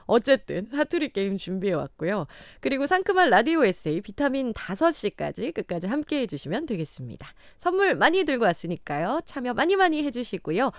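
A woman from Daegu hosts a live radio show from a studio, chatting away and laughing often into a studio microphone. Her voice is on the high side and sing-song, and she talks a little fast with few pauses in a dry recording.

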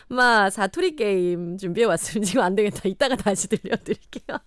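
A woman's voice: mid-range voice, expressive, normal speed, no echo. A woman from Daegu hosting a live radio show, chatty and laughing often, in a studio. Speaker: radio host. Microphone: studio microphone.

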